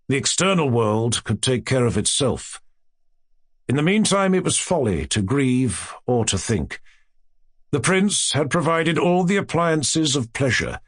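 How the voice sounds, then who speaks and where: A man reading a classic horror tale as an audiobook narrator, in a measured, theatrical storytelling manner with careful phrasing. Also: on the high side, no echo, clean studio sound. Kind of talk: dramatic literary horror narration.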